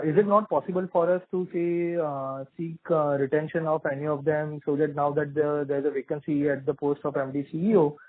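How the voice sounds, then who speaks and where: A man's voice: fairly high pitch, dry recording. A man asking questions as an analyst on a business call, in hesitant, piecemeal phrases. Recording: dry, narrowband phone line.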